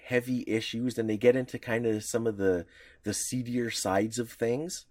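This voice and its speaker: A man's voice: mid-range voice, steady tone, normal speed, no echo. Man, podcast co-host, eager rambling explainer, medium voice, dead dry booth. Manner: rambling, enthusiastic, many restarts. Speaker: co-host explaining comics history. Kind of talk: casual podcast chat.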